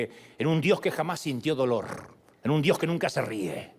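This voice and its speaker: A middle-aged man preaching a sermon in a joking, lively way, acting out voices. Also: on the high side. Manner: animated, joking, acts out voices.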